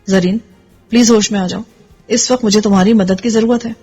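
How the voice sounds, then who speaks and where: A woman voicing a captive young man who calmly reassures his companion, in a hushed, breathy way. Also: medium pitch, soft background music, natural voice. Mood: reassuring.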